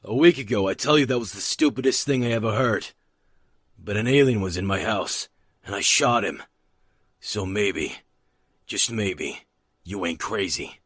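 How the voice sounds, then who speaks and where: A man playing a gruff, stubborn, suspicious rural man in an audio drama, speaking bluntly and folksily. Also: lowish voice, moderate pace, pauses often, fairly bright tone, no room sound, studio quality. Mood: grudging.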